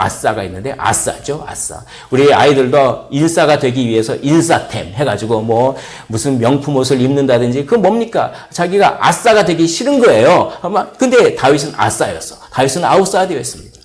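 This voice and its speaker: A man from South Korea preaching a Sunday sermon as pastor, telling the story in a lively way and acting out the voices of the people in it. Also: medium pitch. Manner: lively storytelling, acts out voices of biblical figures.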